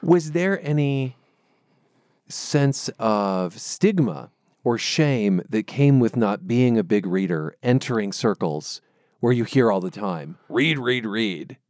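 Male interviewer, low voice with an animated lilt, thoughtful questions. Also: takes it slowly, no room sound, clean studio sound.

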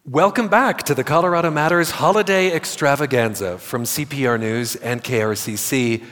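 Measured male radio host introducing. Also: medium pitch, fairly bright tone. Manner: measured, announcer-like. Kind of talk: scripted stage introduction. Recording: long reverb of a hall.

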